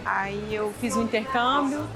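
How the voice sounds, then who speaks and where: A woman's voice: a little high, measured pace, crowd noise. A young woman from Brazil telling an interviewer about her experience, in a chatty way, acting out bits of dialogue. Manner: chatty, acts out quoted dialogue. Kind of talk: casual interview testimony. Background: background music.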